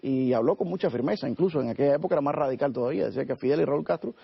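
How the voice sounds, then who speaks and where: A man's voice: medium pitch, rapid-fire, creaky, slightly rough, muffled recording. A middle-aged man from Cuba, speaking earnestly as a lawyer guest on a TV interview. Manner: earnest, with frequent "eh" fillers and restarts. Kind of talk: TV studio interview.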